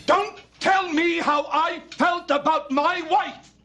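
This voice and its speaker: An actor playing an older, stern widowed father who bursts into shouting, with a husky voice. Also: medium pitch, animated, fairly quick. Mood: angry. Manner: shouting in outbursts, then quiet regret. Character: stern widowed father, bitter and quick to yell.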